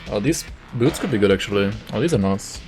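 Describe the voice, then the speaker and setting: A man gives loose, rambling commentary on his gameplay, full of "like" fillers. Soft game music plays faintly underneath him. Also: on the low side, animated, a little fast. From Germany. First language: German. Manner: casual, thinking aloud, many "like" fillers. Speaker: game streamer. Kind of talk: live gameplay commentary, reading chat.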